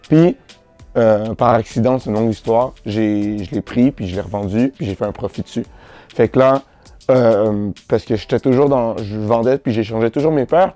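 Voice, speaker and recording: A young man with a Québécois French accent, answering interview questions in a relaxed, slangy way, often restarting his sentences. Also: on the low side. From Montreal, Canada. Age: teens. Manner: relaxed, slangy, repeats himself with many restarts. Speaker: boutique founder, interviewee.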